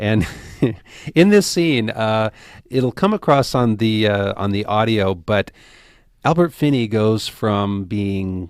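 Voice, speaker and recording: A man with an unremarkable speaking voice talks at a fairly slow pace and fairly low pitch, with lively intonation. The sound is dry and close with no echo, on a very clean recording with a silent background. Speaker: radio movie show co-host. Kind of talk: casual chat.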